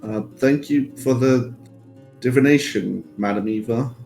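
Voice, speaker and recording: A man talks casually as a player in a tabletop game. He is slow and a bit hesitant, with a mid-range voice. Quiet music plays in the background. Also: medium pitch, gravelly. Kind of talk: casual in-character game chat.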